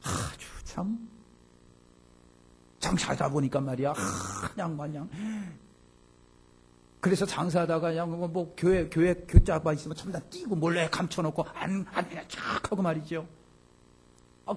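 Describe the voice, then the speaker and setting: Emphatic Korean pastor preaching. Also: male voice. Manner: emphatic, swings between loud exclamations and low asides; acts out complaining voices of the congregation. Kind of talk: Sunday sermon.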